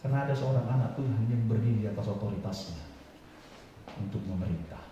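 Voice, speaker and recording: A man preaching a sermon, often rising to loud, high, emphatic lines and quizzing the congregation. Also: fast, lo-fi sound, slight background noise. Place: large church hall. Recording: echoey hall from far off.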